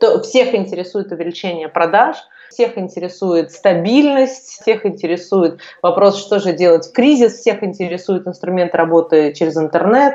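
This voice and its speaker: A woman speaks at a moderate pace and medium pitch with ordinary pitch variation, an unremarkable speaking voice. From Moscow, Russia. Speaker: business coach and property investor. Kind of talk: podcast interview.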